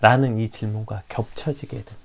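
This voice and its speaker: A preacher giving a livestreamed morning devotional sermon, animated, asking the listeners questions and acting out quoted prayers. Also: mid-range voice, fairly quick, gravelly.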